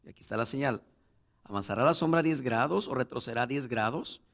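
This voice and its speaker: A male pastor preaching a sermon, reading scripture aloud and swelling into loud, emphatic passages as he addresses the congregation. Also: medium pitch, a little fast, gravelly. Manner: addresses the congregation directly as brothers.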